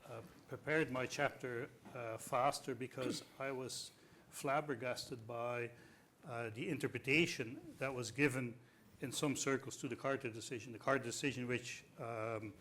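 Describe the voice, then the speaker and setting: Middle-aged man from Belgium, Dutch native speaker, law professor on a panel, measured and hesitant. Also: medium pitch, fairly bright tone, a little hiss or hum. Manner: measured, hesitant, many uh fillers. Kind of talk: panel discussion.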